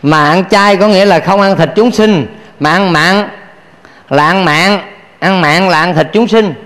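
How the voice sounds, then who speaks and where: A man's voice: sits high, a little slow, fairly bright tone, in a large hall. A man, a Buddhist monk giving a playful dharma talk, questioning his audience and laughing often. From Vietnam.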